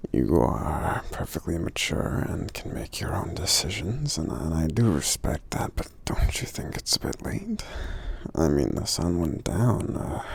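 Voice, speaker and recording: Man voicing a very deep, gravelly gentle giant. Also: exaggerated voice. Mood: concerned, hesitant. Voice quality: breathy, gravelly, half-whispered. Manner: hesitant, courteous, unhurried, pausing with hums. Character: gentle, polite, protective friendly male giant. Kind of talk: soft-spoken ASMR roleplay.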